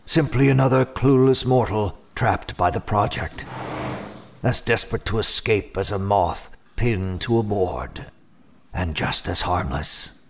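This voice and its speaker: A cold, calculating schemer from a horror audio drama. His voice is low and his delivery is slow and menacing. He sounds smugly self-serving, every phrase deliberate. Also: creaky, slight background noise.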